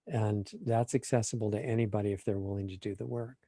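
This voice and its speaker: A man speaking as a guest in a spiritual interview, calm, measured and reflective. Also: on the low side, no echo.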